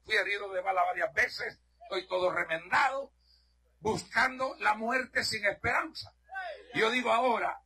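A middle-aged man from Honduras preaching a sermon in a church. He is fervent, shouts at his peaks and drops to hushed asides. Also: high voice, husky. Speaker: pastor.

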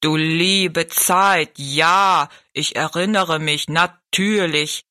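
A woman voicing a dignified, courteous giant man in a storybook, with formal, drawn-out speech. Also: deep voice, bright, forceful tone, dry recording, clean studio sound, heavily acted. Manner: stately, formal, drawn-out delivery. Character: dignified, courteous, slow-spoken giant man of a fairground show. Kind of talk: storybook narration.

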